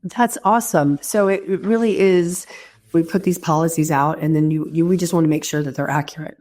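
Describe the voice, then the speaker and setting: A woman's voice: deep voice, fairly quick, darkish tone. A woman hosting an interview show from a hotel room, chatty and enthusiastic, sounding stuffy like she has a head cold. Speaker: podcast host. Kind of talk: casual interview chat.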